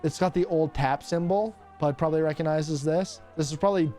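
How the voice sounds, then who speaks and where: A man's voice: a little high, fairly quick, warm tone, faint music behind. A young man, a radio host streaming casually while opening cards, teasing his chat and laughing often.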